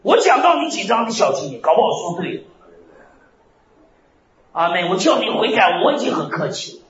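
A male pastor preaching a fiery sermon, animated and bursting into shouted phrases. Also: sits high, normal speed. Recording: roomy, slightly dull recording.

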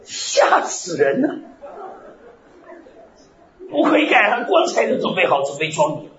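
Male pastor, fiery sermon, swings wildly in pitch and shouts; echoey hall, a bit muffled. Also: slow, a little hiss or hum. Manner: animated preaching with sudden shouted phrases. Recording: roomy, slightly dull recording.

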